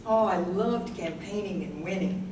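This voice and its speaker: A woman's voice: on the low side, measured pace, close to an everyday voice. A woman playing a wistful, confused older wife with Alzheimer's in a staged reading of a play. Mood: wistful, fond. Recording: roomy distant stage mic, loud noise.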